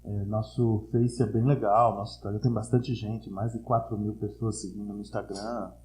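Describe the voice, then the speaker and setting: A man in his sixties from Brazil with an Italian-influenced São Paulo accent, chatting casually as an interview guest and telling stories in a slangy, animated way. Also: fairly low pitch, normal speed. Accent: Italian-influenced São Paulo Portuguese. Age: 60s. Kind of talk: casual chat. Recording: roomy, echoey sound.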